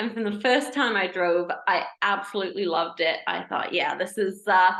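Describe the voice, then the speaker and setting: Her pitch is medium and her pitch variation ordinary. This woman speaks at a moderate pace. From Canada. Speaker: racing driver and engineer. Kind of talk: interview.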